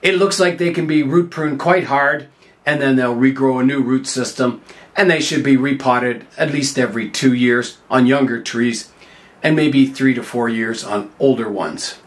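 Hoarse older man working in a greenhouse. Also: medium pitch, moderate pace. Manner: chatty, thinking aloud while working. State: hoarse from a cold. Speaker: bonsai channel host. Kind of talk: casual hands-on demonstration. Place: glass greenhouse.

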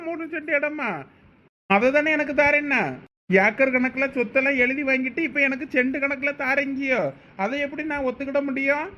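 A man's voice: extremely high pitch, sharp tone, dull audio. A man playing an insistent, aggrieved middle-aged brother demanding his property back, with a Thoothukudi Tamil accent. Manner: insistent, complaining. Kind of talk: village comedy skit acting.

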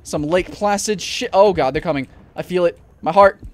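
A young man commentating his gameplay at a desk mic at home, jumpy and swearing, often breaking into panicked shouts. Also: high-pitched, moderate pace. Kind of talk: let's play commentary.

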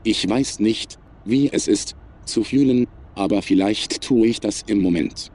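A man playing a cold, superior, menacing artificial intelligence in a science fiction audio drama, speaking in a measured, formal, emotionless way. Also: lowish voice, darkish tone.

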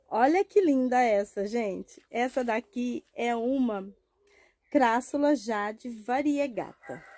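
A woman in her fifties from Brazil, slightly hoarse from a cold, talks into a clip-on mic in a shaded plant nursery. Her voice sits high for a woman. She chats in an affectionate, informal way, with plenty of tag questions and diminutives. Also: a little mellow. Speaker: succulent grower. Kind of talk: casual plant-care vlog. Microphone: wired lapel mic.

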